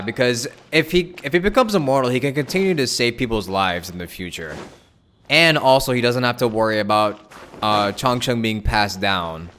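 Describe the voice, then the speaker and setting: A man chatting casually on a game livestream, thinking aloud in a halting way and repeating his phrases. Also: mid-range voice, fairly bright tone, a little hiss or hum. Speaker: game streamer. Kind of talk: casual livestream chat with viewers.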